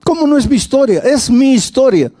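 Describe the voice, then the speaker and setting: Man putting on a high, pleading young woman. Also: expressive, fairly quick, dark tone. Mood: insistent. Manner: high, pleading, emotional delivery. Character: young churchgoing woman ashamed of her past.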